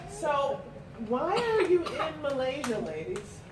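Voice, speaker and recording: A woman's voice: high-pitched, sing-song, slow. A woman hosting a casual group chat with friends, upbeat and laughing as she asks each guest to speak. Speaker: host. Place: home with friends. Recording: far mic, echoey room, noisy.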